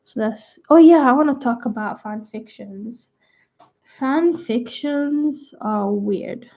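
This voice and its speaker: A young adult woman rambling casually to her viewers, full of "like" and restarts, her voice croaky at times. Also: on the high side, lively intonation, slow. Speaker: vlogger. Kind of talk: rambling casual chat to camera. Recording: dull lo-fi sound.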